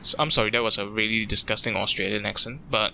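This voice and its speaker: A man's voice: lowish voice, fairly even intonation, quick pace, vocal fry, pushed and bright, slight background noise. A young man from Singapore, thinking aloud in loose, chatty let's-play commentary. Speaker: gaming YouTuber.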